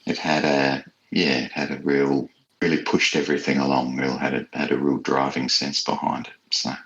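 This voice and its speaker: A man's voice: rumbling low, level tone, normal speed, a bit bright, muffled recording. A man chatting casually as an interview guest, reflective and appreciative, feeling his way through his thoughts. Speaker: writer, podcast guest.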